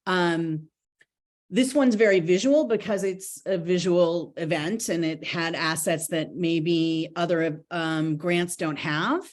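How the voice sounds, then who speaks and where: A woman's voice: fairly low pitch, fairly even intonation, slow pace. A woman presenting a grant report to a board in an online meeting, chatty with many ums and restarts. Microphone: video call.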